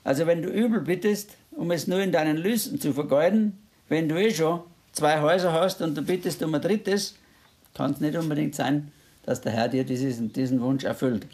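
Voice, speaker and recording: A man's voice: fairly high pitch, moderate pace, a little mellow. A man preaching a sermon in earnest, quoting scripture in a raised voice.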